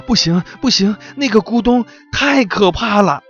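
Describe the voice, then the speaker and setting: A man's voice: sits high, lively intonation, extremely slow, bright, forceful tone, slightly rough, highs cut off, voice pushed up, heavily acted. A man doing a panicky little white rabbit. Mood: fearful. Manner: breathless, alarmed.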